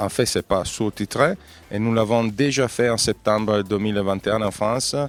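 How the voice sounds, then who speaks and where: A man with an Italian accent at a fairly low pitch, fairly slow pace and very even loudness, dry and close with no echo, music in the background. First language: Italian (speaking French). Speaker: theatre director and performer. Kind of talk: interview.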